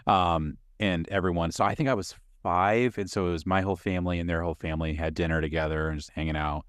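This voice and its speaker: A man's voice: low-pitched, steady tone, fast talker, smooth, no echo, clean studio sound. A man in his thirties co-hosting a movie podcast, rambling and laughing as he trails off mid-sentence. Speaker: podcast co-host. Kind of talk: casual chat about movies.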